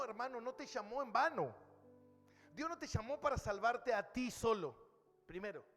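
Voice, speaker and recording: High-voiced emphatic preaching pastor man. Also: fairly bright tone, in a large hall. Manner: emphatic preaching, addresses listeners as brother. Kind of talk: sermon. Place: church hall.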